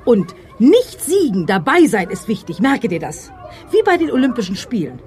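Animated, moralising schoolteacher lady. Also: on the high side, normal speed, a faint crowd. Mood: approving, preachy. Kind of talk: children's audio drama acting.

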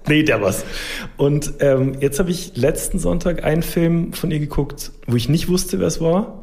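A man's voice: a little high, a little slow, creaky, a little mellow. A man chatting casually and humorously as a podcast co-host, informal and enthusiastic.

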